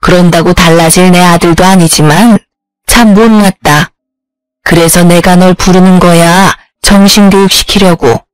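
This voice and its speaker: Woman voices a low, slow-talking, bossy old mother-in-law in a storybook drama; dry sound. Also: steady tone, dry recording, lightly acted, low-quality recording. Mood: contemptuous. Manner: slow, cutting, belittling. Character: nagging older mother-in-law, scornful and demanding.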